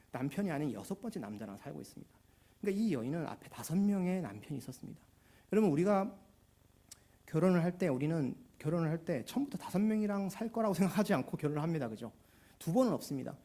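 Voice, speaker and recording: A man's voice: on the high side, animated, fast, dark tone. A male pastor preaching a sermon in a church, emphatic and repeating key phrases.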